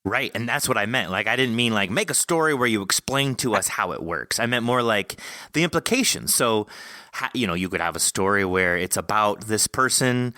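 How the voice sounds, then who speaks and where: A man's voice: on the low side, expressive, normal speed, pushed and bright, dry recording, clean studio sound. A man hosting a podcast, chatting casually with a guest in an enthusiastic, informal way. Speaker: podcast host interviewing an author. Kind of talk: casual interview chat.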